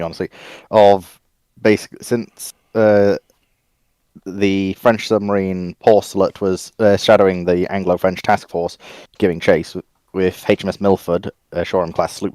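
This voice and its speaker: A man's voice: low voice, darkish tone, no room sound. A man taking part in a casual history discussion, adding detail in an informative way.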